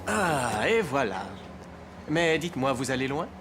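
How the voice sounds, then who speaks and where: A woman's voice: rumbling low, sing-song, unhurried, loud music behind the voice, exaggerated voice. A woman voicing a friendly, chatty train passenger in a children's cartoon. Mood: friendly, curious.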